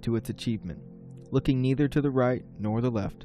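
A man's mid-range voice is heard with music playing behind it. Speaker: audiobook narrator and podcast host. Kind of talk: audiobook reading of a spiritual self-help text.

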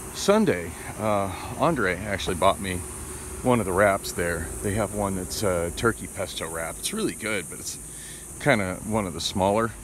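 Over noticeable background noise, a man talks at a moderate pace and fairly low pitch with ordinary pitch variation, big swings in loudness, and a dry sound with no echo. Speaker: daily vlogger. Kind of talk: casual vlog chat. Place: street. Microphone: phone near.

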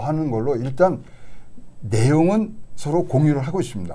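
The voice has a dark, mellow tone and lively intonation, delivered at a fairly slow pace. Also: man. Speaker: economic adviser; guest. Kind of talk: market analysis talk show interview. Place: studio. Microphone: lapel.

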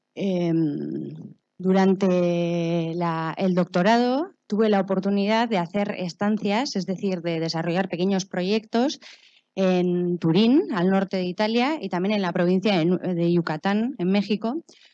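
A woman's dark, mellow tone carries ordinary pitch variation as she talks at a fairly slow pace. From Navarre, Spain (Pamplona); Navarre, Spain. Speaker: computational chemist. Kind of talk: short talk. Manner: halting. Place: stage.

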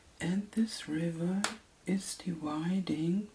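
Soft-spoken and gentle in tone, the voice moves at a very slow pace over light background noise. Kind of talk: explanatory talk, tutorial-like. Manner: gentle soft-spoken ASMR talk.

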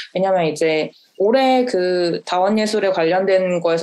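A woman talks at a fairly slow pace, the background quiet. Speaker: visual artist and festival producer; panel discussant. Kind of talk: panel discussion. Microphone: webcam.

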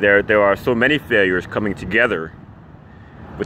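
Against light background noise, with a dry sound and no echo, a man with a fairly low pitch and a bright, sharp tone talks fairly quickly with fairly even intonation. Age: 40s. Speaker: homeless advocate; activist commentator. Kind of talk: monologue commentary. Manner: halting, many fillers. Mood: serious, concerned. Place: street. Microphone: phone near.

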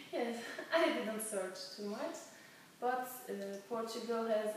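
With a Turkish accent, the speaker talks at a fairly slow pace over light background noise, with strong echo from the room. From Turkey. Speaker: exchange student. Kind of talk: interview testimony. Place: home room. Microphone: camera far.

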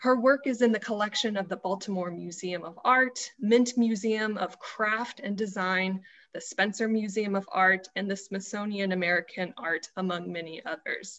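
This woman has a medium pitch and ordinary pitch variation. She keeps a moderate pace with hardly any pauses. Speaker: museum public programs staff. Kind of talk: event introduction. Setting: video call. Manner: formal. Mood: warm, welcoming. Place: home room. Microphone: video call.

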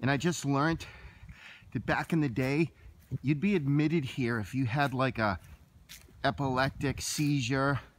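The speech moves at a moderate pace with ordinary pitch variation. Long, frequent pauses break it up. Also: man. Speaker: urban explorer vlogger. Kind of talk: casual vlog chat. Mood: amazed, enthusiastic. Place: open country. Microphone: phone near.

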